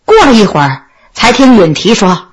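A woman telling a traditional historical tale in an expressive oral storytelling style, acting out each character. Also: on the high side, normal speed, a little hiss or hum. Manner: expressive, swinging between voices.

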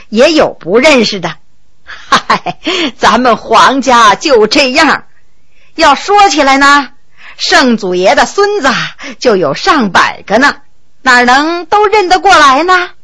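A woman's voice: high voice, big pitch swings, bright, forceful tone, no echo, clean studio sound, full character voice. A woman doing a rambling old empress dowager. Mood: chatty. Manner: slow, chatty, sighing.

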